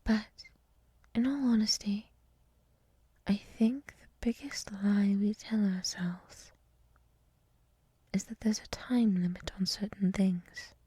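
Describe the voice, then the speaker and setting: A woman playing a gentle, wise monster lady in an ASMR roleplay, whispering softly in a soothing, reflective, encouraging way, close to the mic. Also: mid-range voice, fairly even intonation, slow pace, pauses often, no room sound. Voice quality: soft, breathy whisper. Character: gentle, wise monster woman with many eyes, hotel resident. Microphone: close mic, dry.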